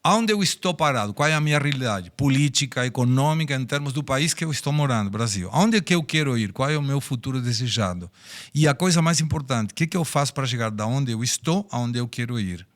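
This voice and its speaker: A man's voice: mid-range voice, animated, fairly quick. A man in his sixties from Argentina, with an Argentine accent, a native Spanish speaker, telling personal stories in a podcast interview in a reflective way. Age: 60s. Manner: reflective, storytelling, speaks of personal life lessons. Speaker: guest.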